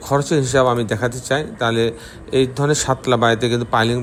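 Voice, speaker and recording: A man's medium-pitched voice with monotone, flat intonation and noticeable background noise. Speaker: civil engineer presenting house designs. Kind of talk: tutorial. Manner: formal.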